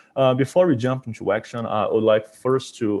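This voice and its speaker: The speaker has a strong Brazilian accent. The pace is moderate. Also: man. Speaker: physicist giving a colloquium talk. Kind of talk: academic lecture. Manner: hesitant, many fillers and repeated words.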